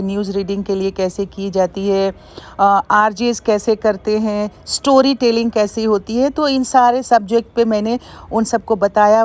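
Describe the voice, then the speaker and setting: A woman's voice: mid-range voice, darkish tone. A middle-aged woman narrating a casual daily vlog in a chatty, explanatory way. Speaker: vlogger and radio broadcaster.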